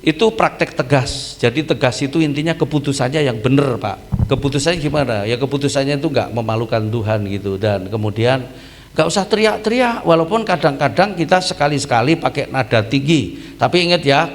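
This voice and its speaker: A middle-aged man preaching at a family seminar, telling stories and acting out the dialogue. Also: mid-range voice. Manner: lively storytelling, acts out dialogue, asks congregation for amen. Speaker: pastor. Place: church hall. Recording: reverberant church hall with faint ambience.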